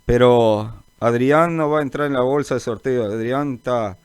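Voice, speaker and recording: Chatty radio preacher, dry sound. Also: male voice, medium pitch, moderate pace, smooth, no echo. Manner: chatty, greets listeners by name, calls them brother; informal, rambling, many fillers. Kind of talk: live call-in gospel radio chat.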